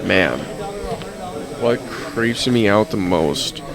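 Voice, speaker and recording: A man with a raspy voice, hoarse from a head cold, chatting bluntly as a guest and swearing freely. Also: fairly low pitch, expressive, very slow. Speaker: wrestler guest. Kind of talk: casual interview chat. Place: busy tattoo expo floor. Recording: loud crowd noise around. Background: loud crowd chatter.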